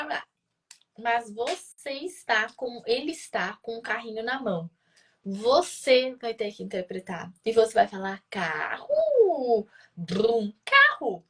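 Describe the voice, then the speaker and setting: A woman's voice: a little high, fairly bright tone. A woman answers parents' questions in a live session, explaining patiently and posing rhetorical questions she then answers. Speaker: child speech-development educator answering parents' questions.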